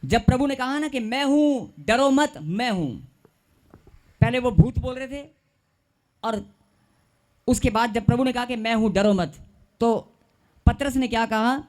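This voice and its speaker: A man with a high-pitched voice preaches a sermon. He leads the congregation in call and response and repeats key phrases with drawn-out emphasis. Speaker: pastor.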